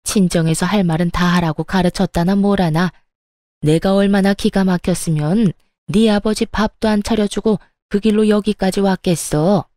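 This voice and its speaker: A woman's voice: medium pitch, steady tone, normal speed, dark tone, no room sound, studio quality, natural voice. A woman voicing a spiteful middle-aged mother-in-law who berates and sneers, in a dramatized story reading. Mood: furious.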